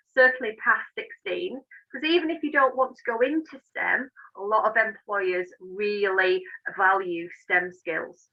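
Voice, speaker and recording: In this interview, a woman who is an engineer and managing director explains things and offers advice in an emphatic, encouraging, informal manner. Her voice sits on the high side, and the audio sounds dull.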